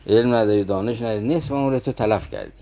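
A man's voice: on the low side, mellow, lo-fi sound, natural voice. A man voicing an arrogant grammarian scholar who belittles a boatman, in a retold classical verse story. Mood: scornful. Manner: belittling, dismissive.

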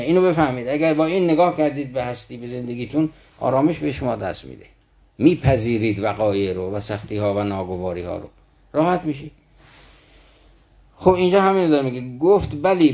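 A man giving a spiritual lecture on verses, reciting lines slowly and then explaining them earnestly to his listeners. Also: medium pitch, darkish tone. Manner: earnest, speaks straight to the listeners. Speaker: lecturer on Rumi's poetry.

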